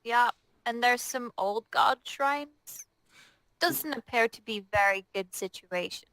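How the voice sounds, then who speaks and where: A woman's voice: on the high side, slow, a bit bright, no echo, low-quality recording. A woman playing a tabletop roleplaying game, chatting casually in improvised in-character dialogue.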